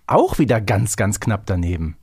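A man's voice: lowish voice, sing-song, moderate pace, darkish tone, husky, no room sound, clean studio sound. A man co-hosting a podcast, chatting casually through a quiz game. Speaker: podcast host playing a quiz. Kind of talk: casual chat.

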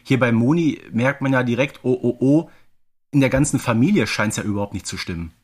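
Man, German accent, from the Ruhr, average pitch, colloquial, conversational podcast commentary. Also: a little fast, a little mellow, breathy edge. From Ruhr region, Germany. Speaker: podcast host.

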